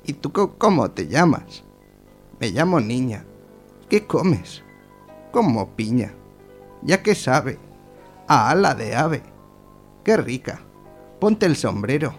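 A man's voice: medium pitch, big pitch swings, takes it slowly, pauses often, soft background music. A man voicing a theatrical, sing-song children's poem dialogue between a curious girl and a seashell. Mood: playful, sing-song.

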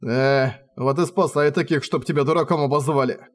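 A man's voice: fairly high pitch, steady tone, normal speed, lightly acted. A man doing a lazy, grumbling young hero. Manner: grumbling, sarcastic.

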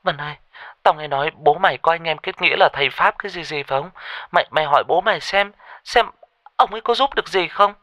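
A man's voice: on the high side, quick pace, bright, forceful tone, no echo, clean studio sound, pitched above the performer's own voice. A man voicing a terrified young woman who stammers and pleads over the phone in a ghost story. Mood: frightened. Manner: stammering, panicky, breathless pleading.

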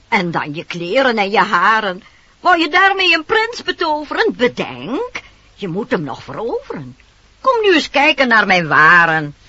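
Sly, lively peddler woman. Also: fairly high pitch, unhurried, full character voice. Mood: sly, persuasive. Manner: wheedling, insistent sales patter. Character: disguised scheming peddler woman, coaxing and sly. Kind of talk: theatrical Dutch radio play acting. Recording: dull noisy old radio recording.

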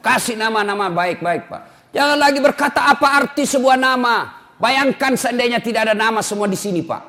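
A man's voice: extremely high pitch, a little fast. A middle-aged man preaching a humorous sermon, joking and speaking straight to his congregation. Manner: animated, joking, addresses listeners directly.

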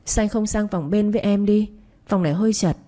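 A woman's voice: medium pitch, brisk, dark tone, natural voice. Woman voicing a scheming mocking stepmother. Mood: wheedling. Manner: mocking, wheedling.

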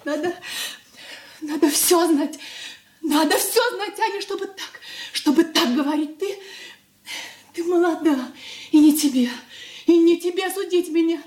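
An actress playing an emotional, pleading young poor relative in a radio drama. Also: female voice, very high voice, a little slow, long pauses, darkish tone. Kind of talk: 1980s radio drama acting. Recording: roomy room.

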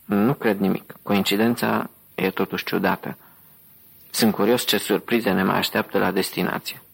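A man reading the lines of a calm, cool-headed detective who speaks with dry irony, in a low, husky voice. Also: poor audio. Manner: calm, dryly ironic.

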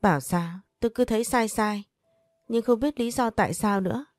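A woman's voice: a little high, normal speed, no room sound, soft background music, pitched above the performer's own voice, lightly acted. A woman narrator voicing a stern older man, the betrayed head of the household, who speaks in a harsh, accusing way. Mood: bitter. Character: stern aging male patriarch, betrayed and cold.

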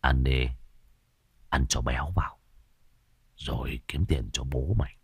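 A man's voice: extremely low pitch, normal speed, dry recording, pitched below the performer's own voice. A man voicing a cruel, menacing middle-aged butcher who sneers and growls.

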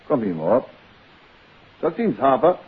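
A Dutch actor playing a composed, wry gentleman detective in a 1950s radio play, on an old recording. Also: medium pitch, sing-song, measured pace, breathy edge, phone-quality sound, exaggerated voice. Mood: wry, unruffled.

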